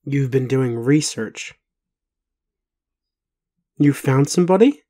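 A man playing a bewildered, doubting but gentle partner in an intimate roleplay audio, speaking haltingly with pauses. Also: medium pitch, lively intonation. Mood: incredulous. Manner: halting, hesitant, full of pauses and sighs.

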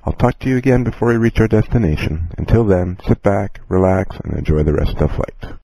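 Casting: calm, courteous airline captain played by a man, very low, mellow voice, measured scripted cabin announcement. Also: gravelly, no room sound, low-quality recording. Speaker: airline captain in a listening lesson.

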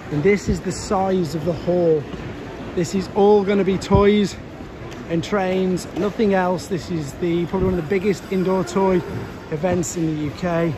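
A man in his thirties with a British accent, talking casually to his phone camera about his day selling toys, upbeat but a little tired. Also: a little high. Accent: British English. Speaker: toy seller and YouTuber. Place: bedroom, then car, car park and big indoor exhibition hall. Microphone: phone held at arm's length. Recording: phone audio with hall noise.

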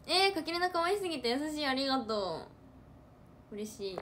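Young woman, Kansai accent, fairly high voice; casual livestream chat, animated, loops back over her words. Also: moderate pace, slight background noise. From Hyogo, Japan. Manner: chatty, animated, repeats words for emphasis. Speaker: idol trainee livestreamer.

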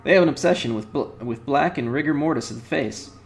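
A man voicing a wisecracking floating male skull companion, high and brash as he reads the game's lines aloud. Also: quick pace, gravelly, faint music behind, lightly acted.

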